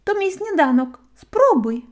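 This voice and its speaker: A woman's voice: extremely high pitch, very animated, measured pace, a little mellow, pitched above the performer's own voice, full character voice. Woman doing a teasing young squirrel girl. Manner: teasing, giggly, sensible. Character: cheerful playful young female squirrel.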